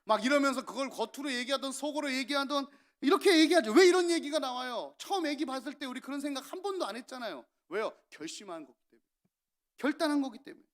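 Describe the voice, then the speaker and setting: A male pastor preaching a sermon, telling stories with lively acted-out lines of parents and children. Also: very high voice, fast. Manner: animated storytelling, acting out parents and children.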